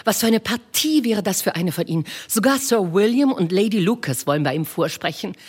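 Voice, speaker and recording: A woman voicing an excitable, pushy middle-aged mother and wife during a literary reading, her voice pitched high, shrill and insistent. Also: brisk, husky. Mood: gushing, insistent.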